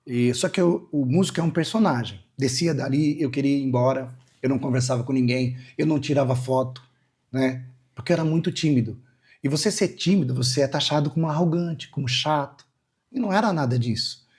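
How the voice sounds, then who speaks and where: A man's voice: medium pitch, a little fast, darkish tone, breathy edge. A man, a hypnotherapist guest, telling long rambling anecdotes in a casual interview, tagging his sentences with "né?". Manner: rambling anecdotal, frequent "né?" tags.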